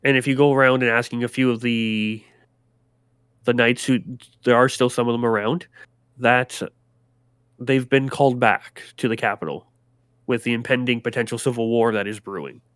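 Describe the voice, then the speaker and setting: Smooth-voiced man running a tabletop game. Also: mid-range voice, fairly even intonation, normal speed, pauses often, a bit bright, dry recording, studio quality. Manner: rambling, casual descriptive narration. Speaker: game master.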